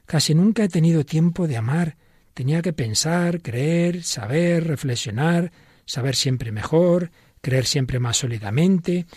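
A man reading the lines of an elderly dying philosopher, humble and pleading, in a slow, halting way. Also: fairly high pitch, lively intonation, darkish tone, slightly rough, no echo, clean studio sound, pitched above the performer's own voice. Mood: earnest.

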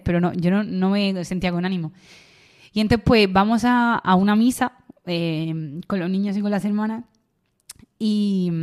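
A woman's voice: mid-range voice, darkish tone. A young university student, a woman, sharing a personal faith testimony in an interview, with many fillers and restarts. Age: young adult.

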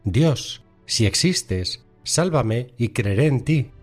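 A man's voice: medium pitch, animated, takes it slowly. A man voicing a desperate man hanging from a branch, pleading frantically for rescue, with faint music behind.

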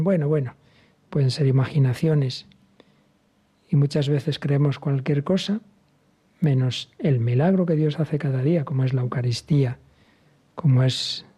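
A male priest with a Spain Spanish accent delivers a sermon in a dark, mellow voice with a husky edge. He preaches earnestly and with emphasis, at times sinking to a near whisper. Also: medium pitch. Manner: earnest, emphatic, drops to a hushed whisper for quoted words.

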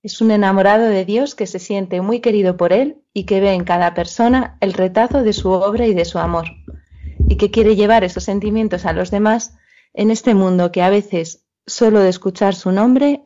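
Mellow-voiced female radio host. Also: medium pitch, lo-fi sound. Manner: smooth, scripted introductions, gentle questions. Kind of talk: radio program hosting.

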